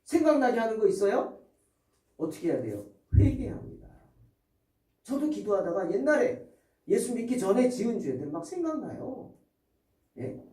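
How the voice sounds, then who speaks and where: A man's voice: high-pitched, sing-song, normal speed, long pauses, mellow. A man preaching a sermon as pastor, fervently and with many rhetorical questions to the congregation. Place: church sanctuary. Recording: echoey church hall from far off.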